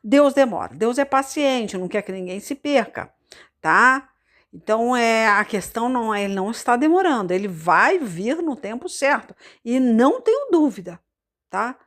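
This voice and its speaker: A woman preacher with a Carioca accent tells her own testimony in a loose, talkative sermon. Her voice sits a little high, and she keeps repeating words and checking in with her listeners as she goes. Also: very animated, moderate pace. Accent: Carioca Brazilian Portuguese. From Rio de Janeiro, Brazil. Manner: conversational, repeats words, many fillers and asides to the congregation. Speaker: missionary preacher. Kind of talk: informal sermon with personal testimony.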